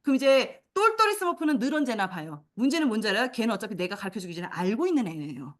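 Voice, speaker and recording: A woman training teachers in a lecture, animated, acting out classroom commands in a high sing-song voice. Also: fast.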